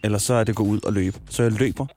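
A man's voice: on the low side, steady tone, a little mellow. A man co-hosting a radio show, telling stories casually and acting out quotes. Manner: storytelling, acts out quotes. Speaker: radio host. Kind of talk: casual chat.

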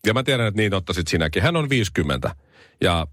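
A man's voice: low voice, very animated, a bit bright, dry recording, clean studio sound. A man co-hosting a morning radio show, joking around and reading out news items in casual chat.

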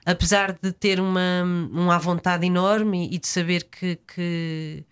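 A woman's voice: on the low side, fairly even intonation, unhurried, smooth. A young woman with a European Portuguese accent, an actress being interviewed, speaking reflectively with hesitations and frequent laughs. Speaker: guest, actress. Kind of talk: casual interview chat.

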